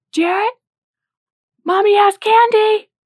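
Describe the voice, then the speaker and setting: A woman shouts in a put-on character voice, pitched extremely high, with fairly even intonation. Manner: screaming, desperate.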